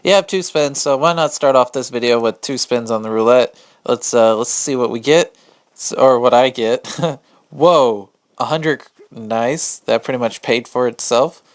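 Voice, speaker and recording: A man giving a casual, off-the-cuff game tutorial, speaking quietly but clearly, close to a phone mic. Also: mid-range voice, normal speed, dry recording. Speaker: gamer hosting a beginner's tutorial. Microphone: phone held a couple of inches from the mouth.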